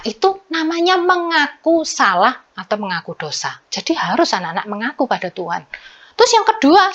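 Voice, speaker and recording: Woman, children's Bible lesson, animated, acts out kids' prayers, high voice, dull lo-fi recording. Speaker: Sunday school teacher.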